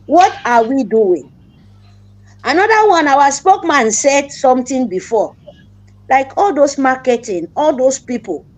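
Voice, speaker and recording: A woman caller with a high voice and a Nigerian Pidgin accent. She argues in an insistent, pleading and rambling way. She speaks in a call-in discussion. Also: animated, a little slow, darkish tone, rough recording. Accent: Nigerian Pidgin English.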